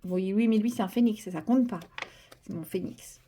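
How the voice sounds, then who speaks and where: A woman's voice: mid-range voice, moderate pace, mellow, slight background noise. A young woman chatting casually about her coloring project, rambling with many fillers and restarts and poking fun at herself. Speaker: coloring vlogger. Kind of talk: casual chat while coloring.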